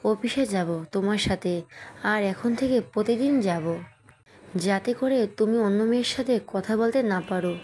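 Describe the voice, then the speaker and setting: A woman's voice: medium pitch, normal speed, a little mellow, a little hiss or hum, lightly acted. A woman voicing a playful, jealous young wife who teases and bosses her husband. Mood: bossy. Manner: playful, teasing, bossy.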